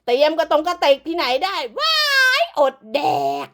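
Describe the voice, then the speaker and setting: A woman's voice: very high-pitched, big pitch swings, normal speed. A woman delivering an angry, profane, scolding rant as an online commentator, hurling insults throughout.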